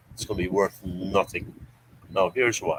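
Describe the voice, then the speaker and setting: A man talks over noticeable background noise. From Guyana. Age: 60s. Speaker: political commentator. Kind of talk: political discussion. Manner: animated.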